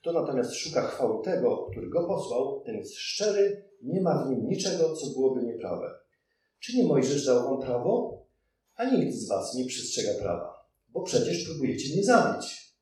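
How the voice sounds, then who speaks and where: Man reading as a male teacher, solemn, emphatic rising declamation, mellow tone, distant, very echoey. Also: medium pitch, big pitch swings, moderate pace, close to an everyday voice. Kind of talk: read-aloud scripture quotation.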